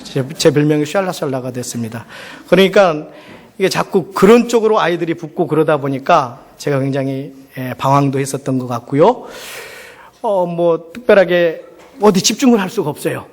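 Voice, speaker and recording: A man's voice: on the high side, animated, moderate pace. A middle-aged man, a pastor, giving a sermon as personal storytelling in a conversational way, often putting rhetorical questions. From South Korea. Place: large church hall. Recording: reverberant hall sound.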